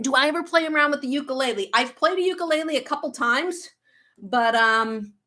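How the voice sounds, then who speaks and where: A woman with an American accent uses a raised, projected voice at a high pitch with a bright, sharp, animated tone. Her intonation is lively and her pace fairly quick. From Boston area, US. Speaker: guitar teacher. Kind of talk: live stream Q&A.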